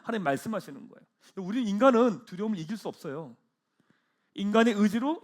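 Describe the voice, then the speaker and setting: A male pastor delivering a Sunday sermon in a church, his voice sitting high and moving with wide, lively swings of pitch. He rises into loud proclamations, then drops to hushed, quiet asides. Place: church sanctuary.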